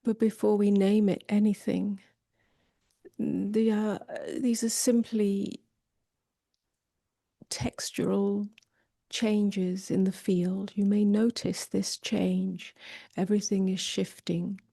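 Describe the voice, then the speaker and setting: A woman meditation teacher leading a guided meditation softly and gently, often drifting toward a whisper, with long pauses. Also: medium pitch, flat delivery, dry recording, studio quality. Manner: soft, breathy delivery drifting toward a whisper.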